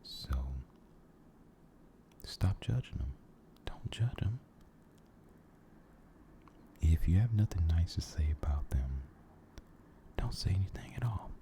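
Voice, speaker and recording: A man giving a soft-spoken, mostly whispered ASMR ramble, halting and gentle, repeating his phrases, close to the microphone. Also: sits low, expressive. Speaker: ASMR video creator.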